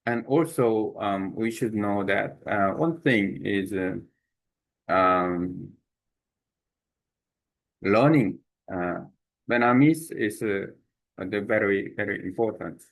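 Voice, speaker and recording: Slow, halting Korean-accented man. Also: on the low side, gravelly, rough recording. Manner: halting, many fillers and restarts. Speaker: language exchange speaker. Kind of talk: unscripted talk to camera.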